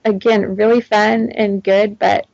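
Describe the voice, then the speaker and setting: A young woman guest on a podcast, soft-spoken with a soothing, slightly girlish voice. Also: medium pitch, level tone, unhurried, gravelly, no echo, muffled recording. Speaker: podcast guest, co-host of another show. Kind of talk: casual podcast interview.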